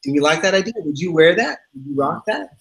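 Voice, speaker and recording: Lively joking man on a podcast. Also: on the high side, quick pace, gravelly, slightly rough. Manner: joking, laughs often, lively banter. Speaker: podcast co-host. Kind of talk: casual live podcast chat.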